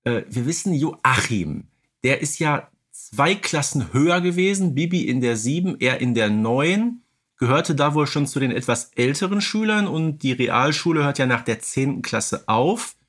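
A man from North Rhine-Westphalia speaks at a medium pitch. He sounds like a podcast co-host in casual conversation. His way of talking is musing and explanatory. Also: animated, moderate pace, a bit bright. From North Rhine-Westphalia, Germany.

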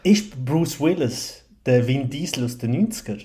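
A man's voice: medium pitch, lively intonation, normal speed, mellow. A man with a Swiss German accent hosting a podcast, chatting casually and colloquially in a joking way. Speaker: podcast host. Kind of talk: casual film chat.

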